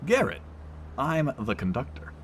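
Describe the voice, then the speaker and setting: Breezy, swooping train conductor. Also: male voice, medium pitch, wildly swooping pitch, measured pace, a bit bright, a little hiss or hum. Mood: blunt, teasing. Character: Garrett, brash teasing male train conductor. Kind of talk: audio drama acting.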